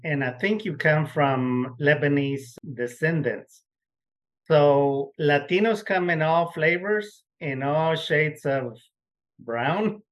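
Man hosting a podcast, measured delivery. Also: fairly high pitch, a bit bright. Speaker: podcast host. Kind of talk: scripted intro then interview questions. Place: Texas.

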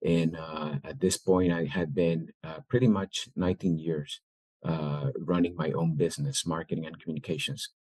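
Low-voiced man, dry close mic. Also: level tone, normal speed, a little mellow, breathy edge, dry recording, poor audio. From El Salvador. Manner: thoughtful, with many fillers and restarts. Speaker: guest, business owner. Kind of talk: interview answers.

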